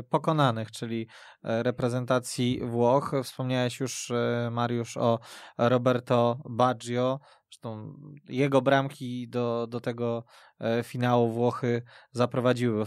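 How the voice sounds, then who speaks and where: Male host of a football radio show, medium pitch, kinda hesitant, really dry studio sound. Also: flat delivery, a little slow, smooth, no room sound. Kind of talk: moderating a football discussion.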